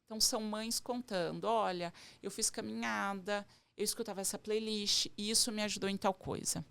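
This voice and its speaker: A woman's voice: mid-range voice, steady tone, moderate pace, gravelly, fairly bright tone, clear, resonant tone. A woman from the São Paulo interior with a strong country accent, speaking as a podcast guest and explaining her work at length. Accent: rural São Paulo interior. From Barretos, Brazil. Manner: earnest, explains in long runs with many "então". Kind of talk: casual podcast conversation.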